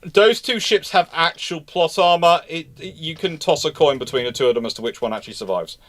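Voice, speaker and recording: A man hosting an unscripted question-and-answer talk, speaking emphatically but haltingly, doubling back and repeating himself to stress points. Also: on the high side, fairly bright tone. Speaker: naval history host answering live questions.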